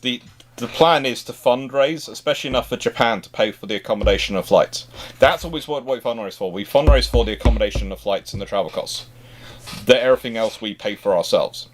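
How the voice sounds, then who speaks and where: A man's voice: mid-range voice, fairly quick, a little hiss or hum. Rambling man hosting a casual livestream. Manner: rambling, stop-start with repeated words. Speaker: livestream host. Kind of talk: casual chat.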